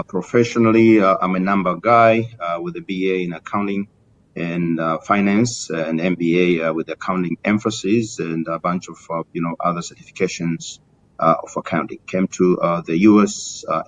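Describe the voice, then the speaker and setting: A middle-aged man with a Tanzanian accent answering as an interview guest, formal and courteous, with many halting hesitations. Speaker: interview guest, community business leader. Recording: muffled lo-fi link with rumbling noise.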